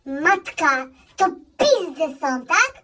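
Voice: high-pitched, sing-song, slow pace, pushed and bright, recorded from a distance, exaggerated voice. Someone playing a bratty bossy teen boy. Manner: dismissive, bossy, crude. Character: spoiled rude teenage boy gamer, dismissive and bossy. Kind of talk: comedy sketch role-play.

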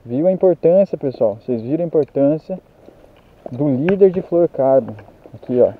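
A young man with a Brazilian Portuguese accent, out of breath, talking excitedly to viewers as he lands a fish on a riverbank. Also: on the high side, moderate pace, phone-quality sound, slight background noise. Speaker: fishing vlogger. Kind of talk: excited outdoor fishing commentary. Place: outdoors on a riverbank. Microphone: handheld camera mic.

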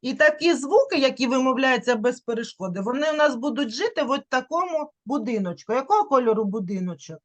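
A woman teaching a young child to read over a video call, her voice high and full of swooping, lively melody. She demonstrates each vowel by drawing it out, then nudges the child along with patient little questions. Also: quick pace, few pauses. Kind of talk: online literacy lesson for a young child.

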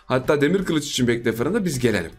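A man giving live gameplay commentary, excitable and playful, teasing his opponents and chanting repeated words in a sing-song way. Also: mid-range voice, fast talker, faint music behind. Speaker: gaming YouTuber.

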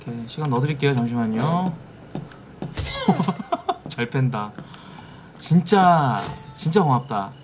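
A middle-aged man streaming a game live, reacting loudly and swearing at it. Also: medium pitch, slow pace, long pauses, music in the background. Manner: excitable, bursts into shouts and swears at the game. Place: streaming room indoors.

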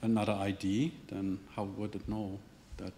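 A man's voice: fairly low pitch, little pitch movement, normal speed, warm tone, a little hiss or hum. A man answering audience questions at a tech meetup, hesitant, with many restarts and hedges. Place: meetup venue, indoors, standing at a lectern.

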